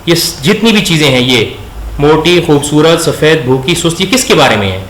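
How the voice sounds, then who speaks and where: A man teaching a grammar lesson, asking questions and slowly repeating words for his students. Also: on the high side, animated, fairly bright tone. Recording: echoey room with faint background noise.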